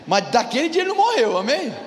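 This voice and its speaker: A man's voice: extremely high pitch, sing-song, quick pace, long reverb tail. A man in his thirties with a Brazilian Portuguese accent, preaching a sermon as a pastor and telling a personal story, often calling out to the congregation for an amen. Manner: storytelling, often calls "amém?" and "irmão" to the congregation. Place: church hall.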